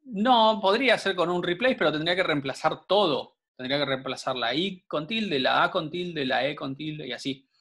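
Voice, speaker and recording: A man's voice: fairly high pitch, animated, moderate pace, a bit bright. A man, teaching an online programming class patiently, checking in with students often. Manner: patient, explanatory, frequent check-ins with students.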